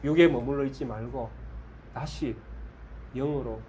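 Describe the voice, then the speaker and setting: A male pastor preaching a sermon, asking rhetorical questions and swinging from loud stresses to hushed lines. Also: medium pitch, measured pace, a little hiss or hum.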